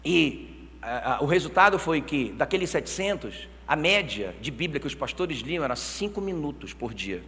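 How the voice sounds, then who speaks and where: A Brazilian man in his thirties preaching a sermon as pastor, telling stories with swings from quiet talk to shouting. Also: on the high side, moderate pace. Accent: Brazilian Portuguese. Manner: animated storytelling, swings from soft to shouting. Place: church hall. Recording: long church hall reverb.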